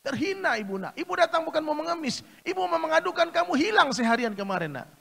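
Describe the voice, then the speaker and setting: A man voicing a poor elderly mother who is fretful and hurt, pleading in a high, tearful way. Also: big pitch swings, fast talker, creaky, sharp tone, full character voice. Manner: tearful, high scolding pleas. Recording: echoey large hall.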